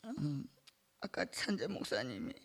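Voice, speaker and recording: A middle-aged woman testifies before her church gathering in an unhurried, halting way. Her voice carries a gravelly edge, and she fills the gaps with hesitations and small laughs. It sounds personal and heartfelt rather than polished. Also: deep voice, big pitch swings. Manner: halting, with many fillers, laughing between phrases. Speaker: church member giving testimony.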